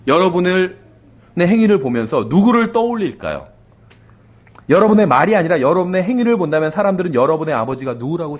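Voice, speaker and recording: A male pastor giving a conversational sermon. He keeps asking the congregation for agreement and lets his voice fall soft and low at the ends of phrases. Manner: conversational preaching, often asks the congregation "그렇죠?".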